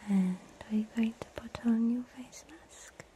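A British woman whispering an ASMR spa role play in a soothing, gentle, unhurried way with pauses. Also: fairly high pitch, a little hiss or hum. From United Kingdom. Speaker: ASMR artist playing a spa attendant.

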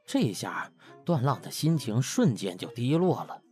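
A man's voice: mid-range voice, very animated, a little slow, darkish tone, soft background music. A man narrating a comic web-novel audiobook in a colloquial, dramatic storytelling style.

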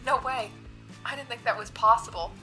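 Bright, eager young reporter girl played by a woman. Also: on the high side, moderate pace, soft background music, poor audio. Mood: excited, friendly. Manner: chatty, hesitant, self-conscious. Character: eager, nervous young female cub reporter. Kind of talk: audio drama dialogue.

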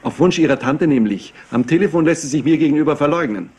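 An actor playing a sarcastic, sacked company executive in a German crime radio play, clipped and sardonic. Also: male voice, on the high side, lively intonation, fast, darkish tone, husky. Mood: bitter, sarcastic.

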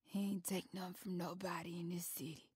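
Woman acting a husky, folksy older Southern woman. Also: on the low side, level tone, a little fast, darkish tone, dry recording, studio quality, pitched below the performer's own voice. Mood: wistful, proud. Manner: folksy, reminiscing. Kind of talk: dramatic monologue.

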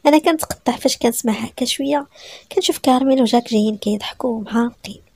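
A woman's voice: fairly high pitch, racing, darkish tone, slightly rough, no room sound. A woman with a Moroccan Arabic accent narrating a first-person story in an emotional, breathless way.

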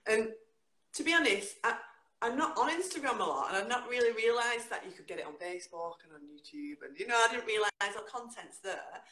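A middle-aged woman with a Northern English accent, a guest poet who performs her spoken word and chats over a video call from home, with a lively, dramatic delivery. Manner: lively, dramatic delivery with sudden jumps in pitch. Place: home room, indoors. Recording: echoey room on a video call.

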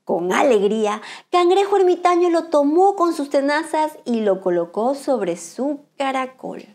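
A woman reading a picture book aloud to children in a bright, sing-song, expressive manner. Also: high-pitched, a little slow. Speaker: children's storyteller, channel host.

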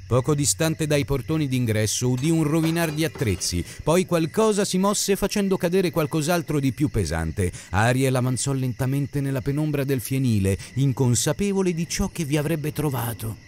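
Guy narrating an audiobook, dramatic, lively pitch, slight hiss behind. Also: moderate pace, hardly any pauses. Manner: expressive, dramatic reading. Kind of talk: scripted narration.

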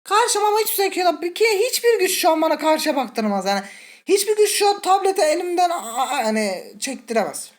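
A man's voice: very high voice, sing-song, fairly quick. A man hosting a gaming channel, giving let's-play commentary while he plays a horror game, jittery and scared, muttering curses and talking straight to his viewers. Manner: talks directly to viewers.

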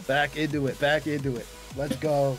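A man competing in a quiz game, excitable and cheering. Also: on the high side, normal speed. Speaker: quiz contestant. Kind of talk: casual game chat. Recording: loud music and crowd noise behind.

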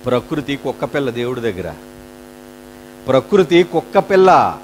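A man's voice: medium pitch, sing-song, normal speed, a little hiss or hum. A man preaching a sermon in a dramatic storytelling way, acting out the voices in the stories. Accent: Telugu.

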